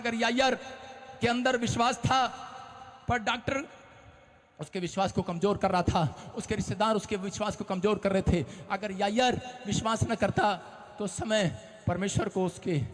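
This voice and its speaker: High-pitched shouting preacher in a hall. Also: male voice. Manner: shouting, dramatic storytelling. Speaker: pastor. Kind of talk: sermon. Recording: long hall reverb.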